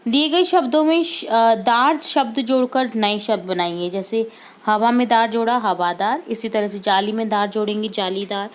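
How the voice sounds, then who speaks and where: A woman teacher goes over worksheet answers with her students in a fairly high voice with fairly even intonation. She's patient, slowly repeating each word and slipping in occasional English words.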